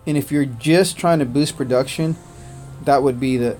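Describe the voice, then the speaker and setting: A man's voice: mid-range voice, normal speed, a little mellow, faint music behind. Chatty male game streamer, native Korean. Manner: chatty, thanks viewers by name, frequent "uh" and "man". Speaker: livestreamer. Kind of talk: casual gaming livestream chat.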